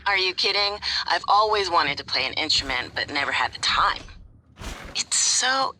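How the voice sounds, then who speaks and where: A groggy young woman talks with eager excitement. Her lowish voice rises and falls widely and sounds bright. Faint noise hangs behind her. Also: heavily acted, poor audio. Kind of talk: video game dialogue.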